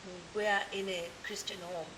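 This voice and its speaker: A South African woman, a gospel singer, chatting in a relaxed way as an interview guest, mixing Zulu with English, laughing often and telling lively stories. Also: medium pitch, normal speed. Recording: hissy background noise.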